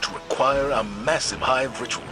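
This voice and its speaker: A man's voice: mid-range voice, normal speed, close to an everyday voice. A man playing a firm, authoritative military commander in a dramatic video game cutscene. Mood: urgent command. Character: firm, resolute middle-aged male military commander. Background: game music.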